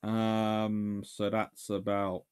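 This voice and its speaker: A British man in his thirties talks casually at a desk in a small book-lined study. He flips between dry, wry asides and sudden bursts of enthusiasm, with a somewhat low voice. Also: monotone, very slow, darkish tone, smooth. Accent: British English. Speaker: naval historian host. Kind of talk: casual chat reviewing books and answering questions.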